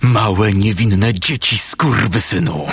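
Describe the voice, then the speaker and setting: A man voicing an enraged, frightened father who hisses curses in a husky, low voice. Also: takes it slowly, fairly bright tone, heavily acted. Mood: furious. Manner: furious, cursing, hissed.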